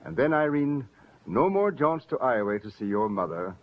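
An actor playing an older, possessive fiancé with a smooth, self-mocking manner, in 1940s radio acting. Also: male voice, medium pitch, big pitch swings, moderate pace. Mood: smug. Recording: dull lo-fi old radio recording.

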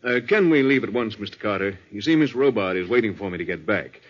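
Formal, precise 1940s store manager. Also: male voice, lowish voice, expressive, fast. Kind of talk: 1940s radio crime drama acting. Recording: dull, lo-fi old radio recording.

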